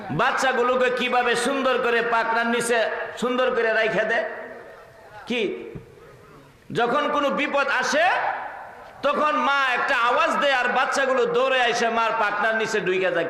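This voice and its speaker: Man, preacher, high bright voice, fervent sermon with sung verses, roomy echo, long reverb. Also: moderate pace, long pauses. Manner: fervent, chants verses in a sung tone, fires rhetorical questions at the crowd. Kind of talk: sermon at an open-air religious gathering. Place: outdoor gathering under a marquee. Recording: echoey loudspeaker sound with long reverb.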